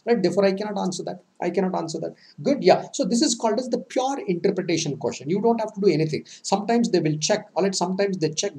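A man, teaching an online exam-prep lecture. He talks quickly, with a fairly high voice and a dark, mellow tone. He keeps quizzing his students with emphatic rhetorical questions and repeats key points.

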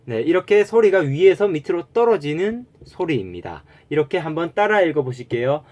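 A man gives a pronunciation lesson in a fairly high, very animated voice that rises and falls freely. He explains patiently, then sings scale notes and sustained syllables to demonstrate each tone. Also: fairly quick, muffled recording. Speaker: Chinese pronunciation teacher. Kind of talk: spoken lesson with sung demonstrations.

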